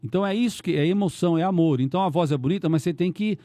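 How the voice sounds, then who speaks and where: A middle-aged Brazilian man, a radio announcer, chatting on a podcast in a rambling, animated way with many restarts. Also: high-pitched, rapid-fire, no room sound. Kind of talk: casual podcast conversation.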